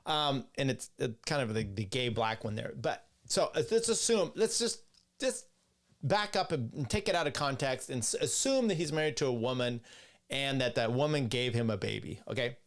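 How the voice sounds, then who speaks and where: A man's voice: mid-range voice, animated, normal speed. A man hosting a show, giving blunt, mocking casual commentary on debate clips and laughing often. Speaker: host.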